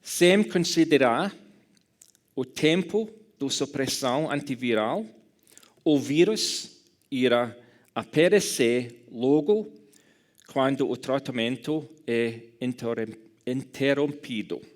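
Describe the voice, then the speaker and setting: Slow, careful Scottish man lecturing. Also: mid-range voice. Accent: Scottish English speaker speaking Portuguese. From Scotland. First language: English. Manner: careful, halting delivery with self-corrections. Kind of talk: academic lecture in a second language.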